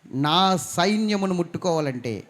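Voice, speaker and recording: A man voicing God as a calm, protective and commanding deity, in a low, hushed, measured tone. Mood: stern.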